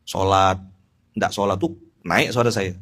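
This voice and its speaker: Middle-aged male preacher, animated and humorous, addresses listeners directly. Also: low voice, measured pace. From Pontianak, West Kalimantan. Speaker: Islamic preacher. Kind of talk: informal sermon.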